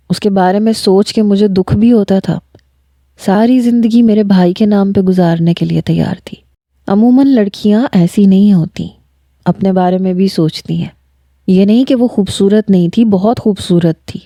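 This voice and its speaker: Dark-voiced woman narrating a story. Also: medium pitch, dry recording, clean studio sound. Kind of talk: first-person story narration.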